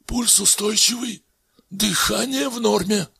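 A man voicing an excitable male scientist who praises and marvels, with a husky voice, in a storybook reading. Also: high-pitched, measured pace, dry recording, clean studio sound, voice pushed up, exaggerated voice. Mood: gleeful. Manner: enthusiastic, breathless praise.

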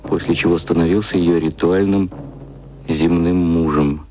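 An actor playing a brooding, ironic, intellectual advertising copywriter in an audio drama, speaking in a measured, deliberate way. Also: male voice, low voice, steady tone, heavy background noise. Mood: solemn. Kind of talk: audio drama acting, inner monologue and reading. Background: music.

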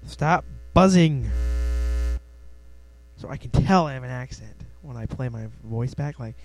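A man's voice: medium pitch, expressive, a little slow, dry recording, poor audio. A young man with a Midwestern accent hosting a casual solo podcast from home, rambling and self-deprecating with restarts. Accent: Midwestern American. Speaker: podcast host. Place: home room. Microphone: close desk mic.

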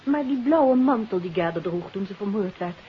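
An actress playing an inquisitive, sympathetic detective's wife, expressive and questioning, in 1950s radio drama style. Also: female voice, medium pitch, normal speed, close to an everyday voice. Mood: curious. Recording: dull, hissy 1950s radio recording.

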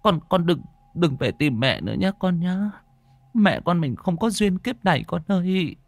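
Storytelling: man playing a grieving mother murmuring a faltering prayer in a raised, quiet voice. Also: sits high, animated, normal speed, vocal fry, dry recording, pitched above the performer's own voice, exaggerated voice. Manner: soft trembling stammering prayer. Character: guilt-stricken young mother praying to her dead child.

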